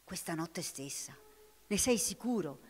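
A woman's voice: fairly low pitch, expressive, measured pace, slightly rough. A woman voicing a big black male harbor cat who talks in an earnest, pleading way, in a storybook reading recorded in a hall with long reverb.

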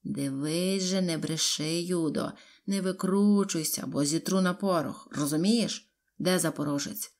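A woman doing a brutal rough-voiced officer. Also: on the high side. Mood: menacing. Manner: slow, menacing, barking orders. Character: brutal red-faced male officer, rough-voiced, bullying.

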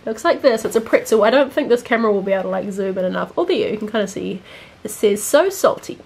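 A woman's voice: mid-range voice, animated, quick pace, vocal fry, a little mellow, slightly rough. A woman in her twenties with a New Zealand accent, chatting informally as a vlogger, with "like" sprinkled through her talk. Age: 20s. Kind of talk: casual chatty vlog to camera. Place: rooms at home. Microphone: handheld camera at arm's length.

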